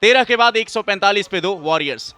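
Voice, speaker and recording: A man giving excited, dramatic play-by-play cricket commentary as the action unfolds. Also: sits high, a little fast, a little hiss or hum. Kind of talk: live Hindi cricket commentary.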